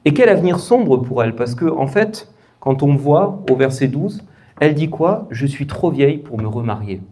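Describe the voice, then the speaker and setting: French male preacher, warm mellow tone, chatty sermon delivery with questions to the congregation. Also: mid-range voice, normal speed. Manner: asks the congregation questions, lively and conversational. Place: church.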